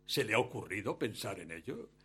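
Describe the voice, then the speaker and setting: An actor playing a wealthy, smug betrayed husband in a radio play, suave and mock-courteous with cruel menace. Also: male voice, lowish voice, big pitch swings, a little fast, a bit bright, husky, full character voice. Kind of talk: Spanish-language radio play acting.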